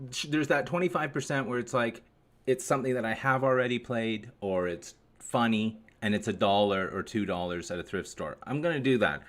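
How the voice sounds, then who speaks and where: A man's voice: on the low side, fairly bright tone. A man hosting a live stream, chatting to viewers in a rambling, sarcastic and profane way. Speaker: livestream host.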